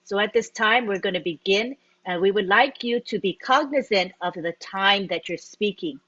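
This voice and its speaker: A woman hosting an online webinar, briskly setting out the rules and calling on speakers. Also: medium pitch, a bit bright. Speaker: webinar host. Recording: muffled online call audio.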